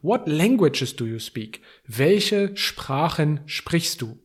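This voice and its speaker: Slow, careful male language teacher. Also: fairly high pitch, sing-song. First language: German. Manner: slow, clear repetition of phrases, explaining in English. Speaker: language podcast host. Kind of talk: slow bilingual language lesson.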